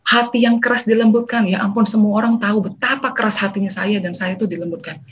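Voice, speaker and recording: A woman's voice: mid-range voice, quick pace. A woman giving a church testimony, telling her story vividly, acting out what others said and mixing in English phrases. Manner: lively storytelling, acting out quoted dialogue. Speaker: testimony speaker. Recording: dull lo-fi recording.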